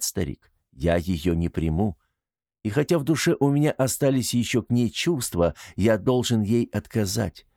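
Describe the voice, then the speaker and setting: A man's voice: on the low side, mellow, dry recording. A man voicing a proud, stern tribal chief in an audiobook, giving orders in a dry, harsh and emphatic way. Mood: stern, wounded pride.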